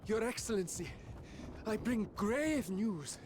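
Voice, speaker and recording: A man's voice: sits high, expressive, slight background noise. A man playing a humble, frightened fisherman in a video game, stammering and anxious. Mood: nervous, fearful. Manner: halting, stammering. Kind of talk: dramatic video game acting. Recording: music under the voice.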